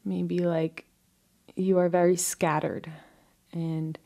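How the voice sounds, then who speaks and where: A woman leading a guided relaxation, giving soft, unhurried instructions in a gentle, soothing manner with frequent pauses between phrases. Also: fairly low pitch, level tone, vocal fry.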